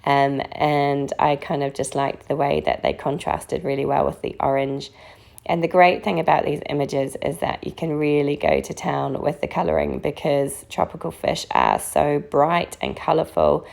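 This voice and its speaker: A woman with a croaky voice from a recent illness, narrating a casual card-making tutorial in a relaxed, chatty way. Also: low-pitched, moderate pace. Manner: relaxed, chatty, frequent ums. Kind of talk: casual craft tutorial voice-over.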